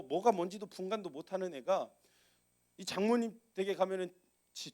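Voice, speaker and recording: A pastor in his thirties preaching a sermon in a lively, conversational storytelling manner. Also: on the high side.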